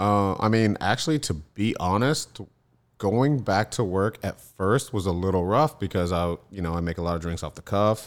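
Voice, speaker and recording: A man with a plain, everyday voice talks at a moderate pace, his fairly low pitch varying in an ordinary way. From Florida. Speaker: bartender. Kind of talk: casual chat.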